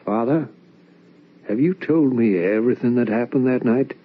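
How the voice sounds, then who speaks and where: An actor playing an anguished, probing young son in an old-time radio drama, with earnest, theatrical, questioning delivery. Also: male voice, mid-range voice, normal speed, husky, close to an everyday voice. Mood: insistent, suspicious. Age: young adult. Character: anguished, probing young adult son narrating a ghost tale. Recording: dull, lo-fi old radio recording.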